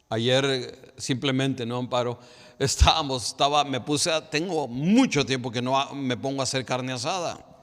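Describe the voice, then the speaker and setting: Against noticeable background noise, a man talks at a moderate pace and medium pitch with fairly even intonation. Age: 60s. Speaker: pastor. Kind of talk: sermon.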